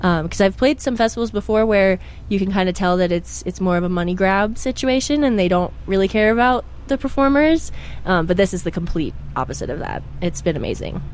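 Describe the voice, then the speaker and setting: A woman's voice: medium pitch, animated, brisk, hardly any pauses, clean tone. A young woman from Pennsylvania, a musician, chatting in an interview in a bubbly way with many fillers. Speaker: guest musician. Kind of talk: casual interview.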